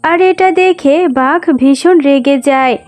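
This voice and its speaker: A woman's voice: high voice, a little slow, a little mellow. A woman narrator reading a scripted cartoon story. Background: music.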